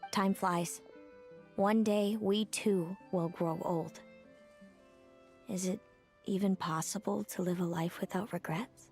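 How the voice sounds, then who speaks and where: A woman voicing a calm, knowing mysterious figure in a video game, speaking slowly and philosophically. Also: mid-range voice. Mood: musing. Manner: slow, measured, philosophical. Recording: game audio with faint music.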